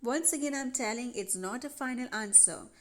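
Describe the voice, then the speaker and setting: A woman's voice: a little high, normal speed. A woman teaching a grammar lesson over a worksheet, patiently repeating instructions to students. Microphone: voice-over on handwritten worksheet video.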